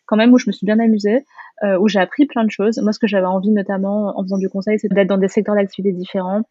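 A woman's voice: medium pitch, little pitch movement, fast talker, dark tone, no room sound, highs cut off. A woman in her thirties, born and raised in France, chatting casually as a guest and filling her talk with hesitations and tu vois. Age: 30s. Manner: casual, many fillers and tu vois. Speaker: guest, restaurant founder. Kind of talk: casual interview chat.

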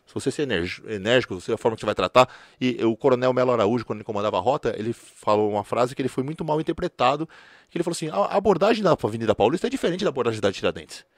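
A man's voice: medium pitch, animated, very fast, no room sound, studio quality. A man, a former police officer telling stories in a slangy, casual conversation. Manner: storytelling, slangy, repeats filler words.

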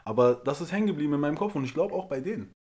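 A young adult man from Germany, a comedian, telling an animated story in casual chat and often asking whether he is understood. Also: fairly high pitch. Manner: rapid, animated, frequent "you know what I mean" asides.

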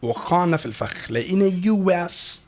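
A man with an Egyptian Arabic accent, a guest teaching English pronunciation in a casual podcast talk, animated and full of restarts. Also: high-pitched. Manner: animated, fast, many restarts and repeated words.

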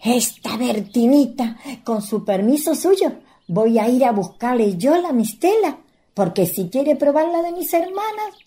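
A sly, chatty country ghost woman from a Chilean radio play, acted by a woman. She has a Chilean accent and a highish, husky voice that rises and dips expressively. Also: sing-song, measured pace, warm tone, exaggerated voice. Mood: fussing.

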